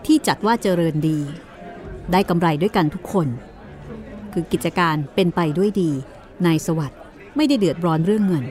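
A woman's voice: lowish voice, moderate pace, darkish tone, faint music behind, some chatter behind. A woman narrating a courtroom mystery story in a storytelling style.

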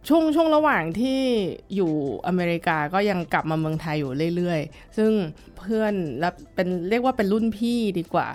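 Middle-aged woman guest, lowish voice, thoughtful and halting, faint music under her. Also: big pitch swings, a little mellow. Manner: thoughtful, halting, with many fillers and restarts. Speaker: violin teacher and guest. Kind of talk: casual interview chat.

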